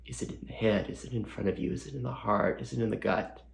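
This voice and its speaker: A man guides a meditation in a slow, soft, unhurried voice, leaving long pauses between gentle questions. His mid-pitched voice has a gravelly rasp. The sound is roomy, with echo around him. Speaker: meditation teacher.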